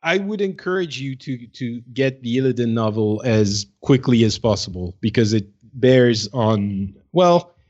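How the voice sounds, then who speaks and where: A man's voice: mid-range voice, lively intonation, measured pace, a little mellow. Male gaming co-host, average register, casual hesitant chat, somewhat dull audio. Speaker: podcast co-host. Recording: slightly dull, lo-fi voice track.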